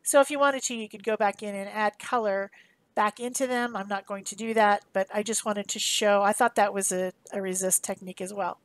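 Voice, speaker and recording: A woman's voice: medium pitch, little pitch movement, a little fast, no room sound. A woman giving a casual, chatty voice-over for a craft demonstration, explaining informally as she goes. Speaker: craft tutorial host.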